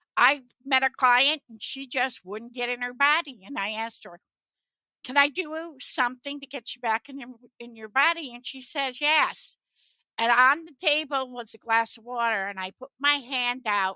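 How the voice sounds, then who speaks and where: A woman projects a raised voice with a bright, sharp tone, high pitch and ordinary pitch variation. She keeps a moderate pace with big swings in loudness, recorded dry and close with no echo. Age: 80s+. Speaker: spiritual teacher and healer. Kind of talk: casual chat.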